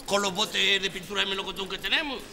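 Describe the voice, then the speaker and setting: Blustering, high-pitched Spanish handyman. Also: quick pace, gravelly, long reverb tail, noisy background. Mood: bossy, offended. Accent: Spanish, from Spain. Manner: colloquial, blustering, theatrical. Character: brash, stubborn, slangy handyman, quick to take offence. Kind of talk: broadcast sitcom acting.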